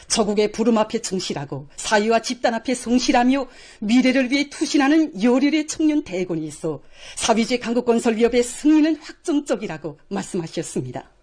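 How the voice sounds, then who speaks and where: A woman announcer delivers state television news in a North Korean accent. Her voice sits fairly high, and she declaims the formal script with solemn reverence. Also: a little mellow.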